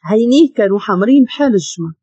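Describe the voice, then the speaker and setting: Expressive Moroccan woman narrating a story. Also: mid-range voice, very fast, breathy edge, no room sound. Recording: dull lo-fi dry recording.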